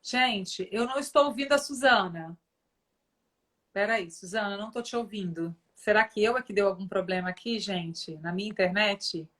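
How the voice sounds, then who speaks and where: A woman's voice: mid-range voice, normal speed, fairly bright tone. A woman hosting a casual live stream, chatty and addressing viewers directly. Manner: chatty, fillers like né, talks to audience.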